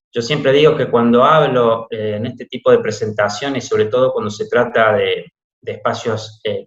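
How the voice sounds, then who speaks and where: A middle-aged man with a Córdoba Argentine accent, a doctor giving a presentation, who talks warmly and hesitates with many fillers. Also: mid-range voice. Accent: Cordobés Argentine Spanish. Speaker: guest speaker, doctor. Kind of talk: talk for a video presentation. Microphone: video call. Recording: echoey, dull video call audio.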